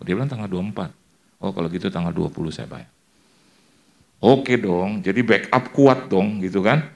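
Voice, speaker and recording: A man's voice: lowish voice, vocal fry. A middle-aged male pastor telling a story in a sermon, acting out the dialogue with English phrases mixed in.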